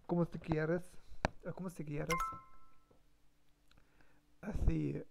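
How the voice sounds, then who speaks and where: A man's voice: a little high, flat delivery, slow, vocal fry, heavy background noise. A man practicing on a live stream, hesitant, full of fillers and self-corrections. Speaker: language learner streamer. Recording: dull lo-fi stream mic.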